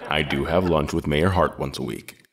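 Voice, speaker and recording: An actor playing a composed, pedantic horror novelist being interviewed, measured and precise with a faintly superior manner. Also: male voice, very deep voice, creaky, noisy background. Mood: composed, polite. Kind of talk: audio drama interview.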